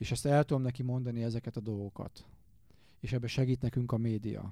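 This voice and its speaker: On a very clean recording with a silent background, a man with a dark, mellow tone and medium pitch talks at a fairly quick pace with fairly even intonation. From Hungary, Dombóvár (Baranya/Tolna region). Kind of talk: podcast interview. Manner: halting with many fillers and repetitions.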